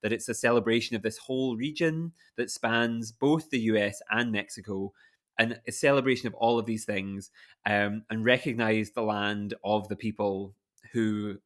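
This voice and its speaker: Speaking at a moderate pace in a fairly low, evenly intoned voice, this Scottish podcast host rambles enthusiastically in a casual chat. He leans heavily on fillers such as "like."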